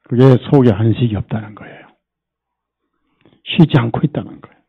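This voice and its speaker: A man's voice: mid-range voice, brisk, creaky, slightly rough, phone-quality sound. A male pastor preaching at a church service, quizzing the congregation with rhetorical questions and mimicking people to make his points. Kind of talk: sermon.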